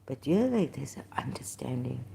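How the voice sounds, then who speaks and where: A woman from Pakistan with a Pakistani accent, talking in a rambling, halting way with many fillers and restarts. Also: rumbling low, big pitch swings, creaky, dark tone, a little hiss or hum. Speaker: vlogger. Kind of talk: casual monologue, reading aloud at times.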